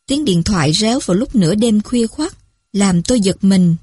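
A woman narrating a story in a measured, even reading voice. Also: medium pitch, breathy edge, no room sound, studio quality.

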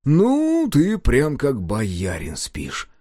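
Man doing an excitable high-voiced peasant carver. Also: very slow, no room sound, clean studio sound, full character voice. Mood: excited. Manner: loud, excited, high-pitched. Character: excitable peasant woodcarver man, curious, quick-tempered.

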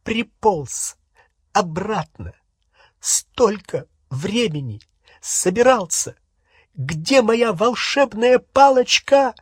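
A man's voice: sits high, very animated, a little slow, a bit bright, breathy edge, no echo, pitched above the performer's own voice, full character voice. A man reading an audiobook, voicing a furious teenage girl witch who screams and mocks sarcastically. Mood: furious shrieking.

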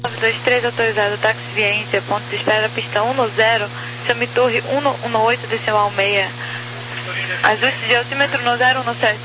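A Brazilian woman working as an air traffic controller, reading out flight clearances over aviation radio. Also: on the high side, fairly even intonation, fairly quick. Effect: aviation radio transmission.

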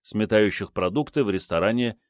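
Man, audiobook narrator, low voice, measured even reading, close mic, dry sound. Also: no room sound. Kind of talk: scripted narration.

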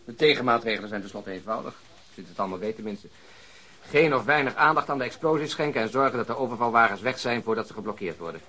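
An actor playing a dry, level-headed police detective in a radio drama, wry and matter-of-fact. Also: male voice, mid-range voice, animated, quick pace, pushed and bright, breathy edge. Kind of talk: Dutch radio drama acting.

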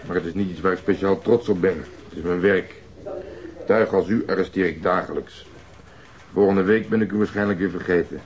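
An actor playing a blunt, impatient, hard-nosed police detective in a radio drama, with a clipped, sardonic delivery. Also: male voice, deep voice, steady tone, normal speed, long pauses. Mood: brusque, contemptuous. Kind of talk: naturalistic radio drama dialogue. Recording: dull, muffled old radio recording.

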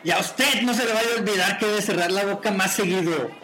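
A man's voice: sits high, fairly quick, bright, forceful tone, poor audio. A man playing a coarse, mocking street rogue in an amateur radio drama, talking back with rude scorn. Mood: scornful.

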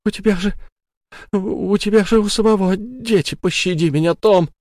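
A man voicing a terrified, pregnant young woman who begs for mercy in high, sobbing pleas. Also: animated, normal speed, darkish tone, no room sound, studio quality. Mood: pleading.

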